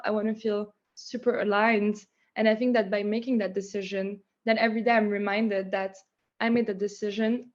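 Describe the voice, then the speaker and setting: A woman's voice: a little high, highs cut off. A young woman from France with a French accent, chatting as a guest about the business she founded, full of "like" fillers. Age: young adult. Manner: chatty, many "like" fillers, animated. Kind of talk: casual interview chat.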